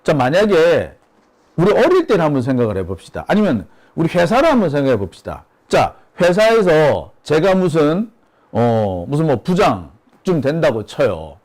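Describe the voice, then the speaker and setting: A man's voice: a little high, sing-song, moderate pace, darkish tone. A man hosting a solo political commentary, speaking emphatically and asking rhetorical questions. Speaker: host of a political commentary channel.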